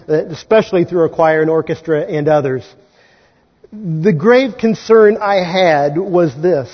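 A male pastor from Kansas preaching an Easter sermon in a conversational way, often checking in with listeners with a quick "right?". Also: high-pitched, breathy edge, in a large hall, dull audio. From Kansas, USA. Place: large church sanctuary.

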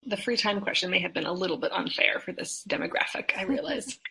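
A woman's voice: lowish voice, fast, vocal fry, background noise. Tentative American woman moderating casually. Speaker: host, moderator. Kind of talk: casual group conversation.

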